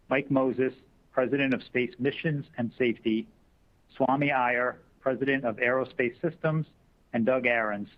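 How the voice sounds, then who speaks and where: Formal man on dull conference audio. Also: medium pitch. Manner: formal, businesslike. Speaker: investor relations executive. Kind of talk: scripted corporate disclaimer reading.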